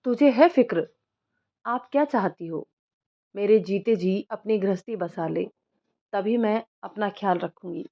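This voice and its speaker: A woman's voice: mid-range voice, measured pace, muffled recording. A woman voicing an ailing, stubborn old grandmother in a storybook reading, coaxing and scolding her grandson.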